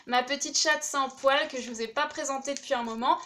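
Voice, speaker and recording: A woman's voice: high voice, steady tone, a little fast, bright, forceful tone. A young woman chatting casually and enthusiastically as she unboxes craft supplies, with many fillers. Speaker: craft YouTuber opening a swap package.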